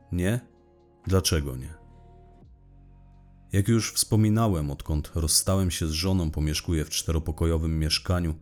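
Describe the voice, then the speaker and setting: A man's voice: a bass voice, a little mellow. A man playing a weary, irritable middle-aged divorced investigator confessing in formal, wordy sentences in an audio drama. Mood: irritated, weary. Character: weary, irritable divorced male investigator talking to his psychologist. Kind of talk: scripted audio drama monologue.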